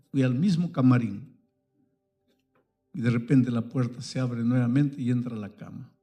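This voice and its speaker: A male pastor tells a story from the pulpit. His voice is dark and mellow, and it leaps and drops dramatically as he tells it. Faint music plays softly behind him. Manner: dramatic storyteller with sudden swings in pitch and force. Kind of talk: storytelling sermon.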